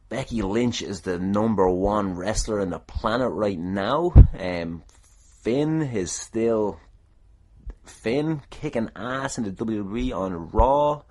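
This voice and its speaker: A man with an Irish accent and a deep voice talks casually as a solo podcast host. He is self-deprecating and irreverent, with the odd mild swear. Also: darkish tone. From Ireland.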